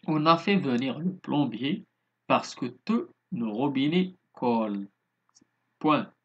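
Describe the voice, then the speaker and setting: Man, Moroccan accent, schoolteacher, recorded grammar lesson, husky voice, slow careful reading, quick explanatory asides. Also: medium pitch, lively intonation, a bit bright, dull audio. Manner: reads textbook exercises slowly, explains in quick Darija asides. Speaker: primary school teacher.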